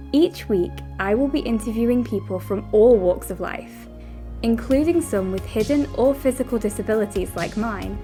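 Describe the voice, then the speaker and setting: Woman podcast host, a touch high, friendly and clear, faint music under the intro. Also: darkish tone. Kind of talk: scripted intro then casual interview.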